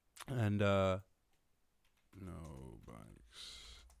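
This man's voice sits fairly low, with ordinary pitch variation. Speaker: podcast host. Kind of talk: casual solo commentary. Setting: home studio with camera. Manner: animated.

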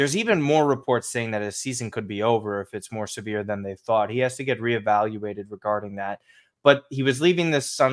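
The speaker is a man. He has an ordinary speaking voice. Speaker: podcast host. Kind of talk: casual chat.

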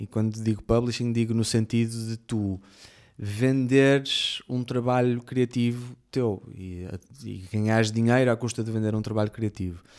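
A man speaks in a plain, everyday voice at medium pitch and a fairly slow pace. The recording is very clean with a silent background. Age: 30s. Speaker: musician in a band. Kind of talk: casual chat.

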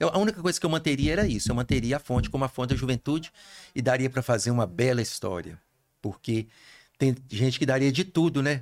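Very fast speech at a very even loudness. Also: man, medium pitch for a man, lively intonation. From Belo Horizonte, Minas Gerais, Brazil. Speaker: TV screenwriter and novelist. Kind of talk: podcast interview. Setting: live-streamed studio podcast.

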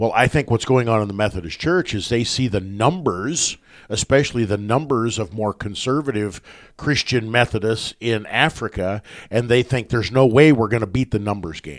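An unremarkable speaking voice from a man with an American accent, medium pitch, ordinary pitch variation and a moderate pace. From US Midwest, Nebraska. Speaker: pastor. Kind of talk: casual chat.

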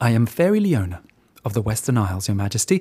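Very wide pitch swings and an animated, dramatic tone mark a somewhat breathy man on a very clean recording with a silent background. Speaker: audiobook narrator. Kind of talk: fairy-tale audiobook narration, read aloud with character voices. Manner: animated, storytelling tone with dramatic pauses; expressive, gentle and warm.

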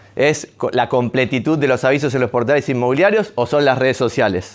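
This is a man speaking at a medium pitch. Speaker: real estate entrepreneur. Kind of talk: talk to a live audience.

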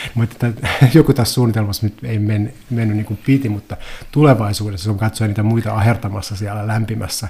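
A fairly low-pitched man at a fairly quick pace, with fairly even intonation. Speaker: writer and literary scholar. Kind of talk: interview conversation. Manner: halting, many repetitions.

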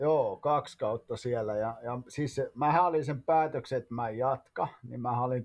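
An ordinary speaking voice, with fairly even intonation and a fairly slow pace. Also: man. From eastern Finland, Imatra. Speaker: ice hockey coach. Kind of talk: interview.

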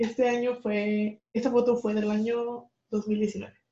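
Speaking very slowly, a woman uses a fairly high, somewhat breathy voice with a dark, mellow tone and monotone, flat intonation. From Reynosa, Tamaulipas, Mexico. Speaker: podcast co-host. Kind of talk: casual chat.

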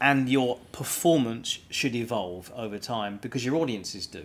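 An unremarkable speaking voice belongs to a man with medium pitch and ordinary pitch variation. He talks at a fairly slow pace. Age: 50s. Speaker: public speaking trainer. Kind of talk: interview.

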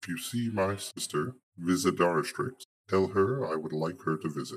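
A man puts on a character voice, very deep and low in pitch, speaking at a moderate pace. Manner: slow, solemn, terse.

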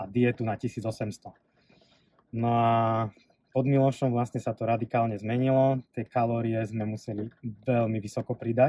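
Speaking at a moderate pace and a medium pitch, a man has a dark, mellow tone and monotone, flat intonation, with a dry, close sound and no echo. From eastern Slovakia. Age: 30s. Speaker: bodybuilder. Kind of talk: casual interview. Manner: hesitant, many fillers.

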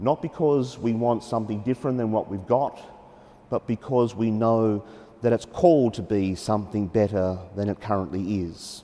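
Speaking at a moderate pace with an Australian accent, this man has a dark, mellow tone, a fairly low pitch and ordinary pitch variation. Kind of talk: sermon. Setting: cathedral during Mass.

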